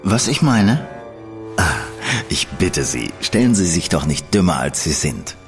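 An actor playing a shrewd, menacing gentleman schemer who speaks in a smooth, ironic and condescending manner. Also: sits low, sing-song, unhurried, faint music behind, heavily acted. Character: shrewd, cool male gentleman spymaster, coldly menacing. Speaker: gentleman in an audio drama. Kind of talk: studio audio drama acting.

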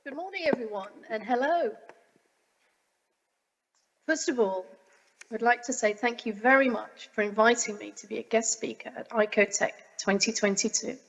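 Croaky woman giving a recorded talk. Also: a little high, big-room sound, dull audio. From United Kingdom. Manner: formal and measured. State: croaky, getting over a cold. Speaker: guest speaker. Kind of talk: pre-recorded conference presentation. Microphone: webcam video recording.

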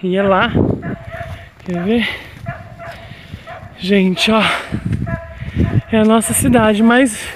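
Brief: high-pitched man, chatty walking vlogger talking to his viewers, handheld phone outdoors with loud street noise. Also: fairly even intonation, very slow, long pauses. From Brazil. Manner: chatty, keeps addressing viewers as "gente". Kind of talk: casual walking vlog. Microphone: handheld phone camera while walking. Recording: noisy outdoor phone recording. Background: street traffic and outdoor ambience.

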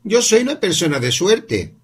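Guy reading as a pushy little kid in a storybook, high husky voice, keeps asking why. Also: big pitch swings, moderate pace, exaggerated voice. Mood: stubborn. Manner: eager questioning, rising pitch. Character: curious insistent young boy. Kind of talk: audiobook character reading.

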